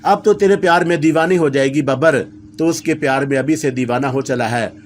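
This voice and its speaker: A man's voice: fairly high pitch, fairly quick, a little hiss or hum, close to an everyday voice. A sly, mischievous male jinn sidekick from a spoken horror story, teasing and coaxing with a slightly raised, playful voice, as a male narrator puts him on. He sounds like he is always needling, never serious.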